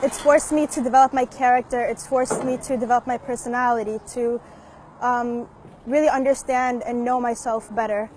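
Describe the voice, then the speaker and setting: A young woman who speaks in a reflective, measured way about her personal choices. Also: on the high side, fairly even intonation, a little mellow, slight background noise, poor audio. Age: young adult. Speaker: university student interviewee.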